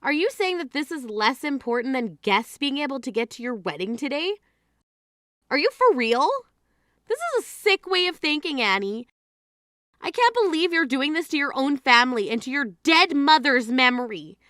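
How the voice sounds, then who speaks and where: A woman voicing an indignant young sister in mourning, scolding with a high, bright, forceful voice. The sound is dry and close, with no room around it. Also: big pitch swings, normal speed, no echo, exaggerated voice. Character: exasperated grieving sister at funeral. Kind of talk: scripted drama dialogue.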